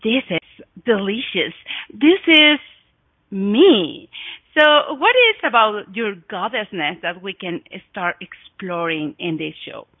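A woman's voice: medium pitch, expressive, slow pace, no room sound. A middle-aged woman from Mexico with a Mexican Spanish accent, hosting her own show and telling her story to listeners with effusive, gasping emphasis. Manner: effusive, breathy gasps, swooping emphasis. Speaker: podcast host. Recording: dry phone-like audio.

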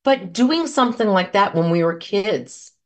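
A woman's voice: medium pitch, lively intonation, a little slow. A woman in her fifties hosting a solo podcast, talking casually and encouragingly, rambling through anecdotes and asides to her listeners. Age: 50s. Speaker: podcast host and coach.

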